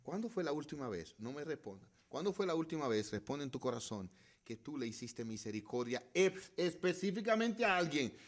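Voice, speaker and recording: A man's voice: mid-range voice, animated, fairly quick. Man preaching with dramatic swings in volume. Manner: dramatic preaching with sharp swings between loud and hushed; asks the congregation rhetorical questions. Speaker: pastor. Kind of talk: sermon.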